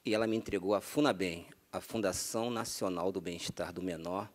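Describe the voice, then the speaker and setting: A man from Minas Gerais telling his life story in a TV interview, slow and earnest, often repeating himself. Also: sits low, fairly even intonation. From Minas Gerais, Brazil. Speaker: interview guest. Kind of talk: testimony in a TV interview.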